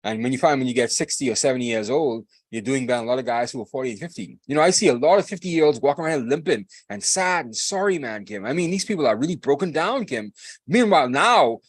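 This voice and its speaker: Man, 40s, podcast host, rapid, rambling, hyped, close dry sound. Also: mid-range voice, animated, no room sound. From Bahamas. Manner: hyped, rambling, repeats himself, laughs often. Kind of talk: casual chat.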